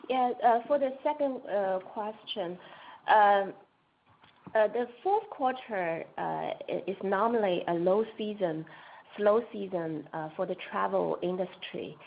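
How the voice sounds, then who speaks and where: Creaky-voiced woman on a noisy call line. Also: mid-range voice, unhurried, narrow, tinny audio. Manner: hesitant, broken phrasing. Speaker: company finance executive. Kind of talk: earnings call answers.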